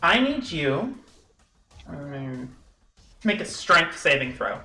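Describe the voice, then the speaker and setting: A man's voice: fairly high pitch, sing-song, slow pace, pushed and bright, a little hiss or hum. A man running a tabletop game as game master, narrating loosely with fillers and restarts. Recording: echoey room with faint music.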